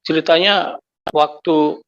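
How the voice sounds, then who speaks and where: A man giving an emotional personal testimony, his voice climbing high and loud when he recounts his anger. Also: fairly even intonation, slow pace, creaky. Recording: dull lo-fi sound.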